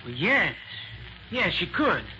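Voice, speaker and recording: Anxious club manager, bright sharp voice. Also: male voice, high-pitched, big pitch swings, slow pace, soft background music, heavily acted. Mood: cooperative. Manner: deferential, explanatory, slightly flustered. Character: anxious, accommodating male nightclub manager. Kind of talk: 1940s radio crime drama acting. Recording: lo-fi noisy 1940s radio recording.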